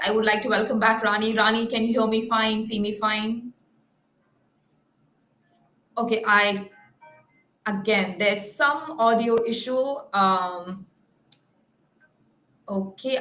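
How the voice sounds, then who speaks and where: A woman's voice: a little high, fairly bright tone. A woman hosting an unscripted live call-in show in an informal, chatty way. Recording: roomy, echoing sound.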